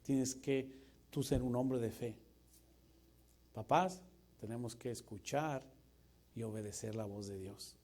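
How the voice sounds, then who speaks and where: A man, preaching a lively sermon that swings between loud and hushed. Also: mid-range voice, slow pace, pauses often. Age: 40s. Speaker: pastor.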